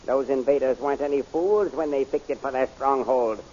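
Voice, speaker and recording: An actor playing a blustering, impatient military general who barks orders theatrically in a 1930s radio serial. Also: male voice, mid-range voice, brisk, a little mellow, lightly acted. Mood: scheming, commanding. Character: blustering, impatient enemy military general, commanding rebel soldiers. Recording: hissy, muffled 1930s radio recording.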